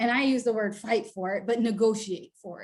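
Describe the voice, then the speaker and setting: The woman's voice is fairly high and somewhat breathy. She keeps a moderate speed and shifts pitch in an ordinary way. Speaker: panelist, collaborative statistician. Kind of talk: webinar panel talk.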